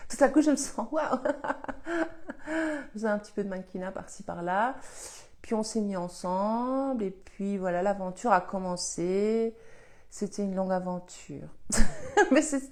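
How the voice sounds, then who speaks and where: A woman's voice: mid-range voice, a little mellow. Belgian woman in her fifties, slight cold, casual chatty live host who laughs through her stories. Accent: Belgian French. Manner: chatty, laughs often, rambling anecdotes. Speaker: host answering live questions. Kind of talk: casual storytelling chat.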